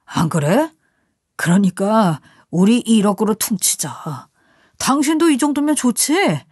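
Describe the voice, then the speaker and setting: A woman's voice: mid-range voice, sing-song, a little slow, darkish tone, slightly rough, dry recording. A woman voicing a manipulative, threatening husband in an audio story, coaxing and menacing by turns, recorded dry and close. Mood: bargaining.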